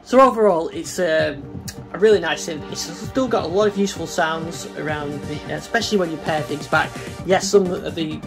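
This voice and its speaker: A man giving a casual, hands-on synthesizer demo, explaining informally and a little haltingly as he works. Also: a little high, creaky. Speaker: synthesizer demonstrator and reviewer. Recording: synthesizer music behind the voice. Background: synthesizer sounds and music.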